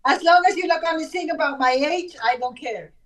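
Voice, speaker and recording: A woman from Switzerland, a German-speaking teacher, chatting in English and pausing often to find her words. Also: sits high, a bit bright. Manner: hesitant, searching for English words. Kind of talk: casual call-in chat.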